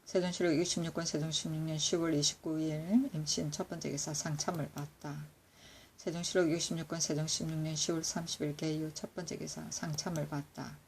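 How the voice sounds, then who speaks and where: Low-voiced woman reading old records. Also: slight background noise. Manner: steady, measured recitation with occasional self-corrections. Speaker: reader of historical records. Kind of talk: reading court annals aloud.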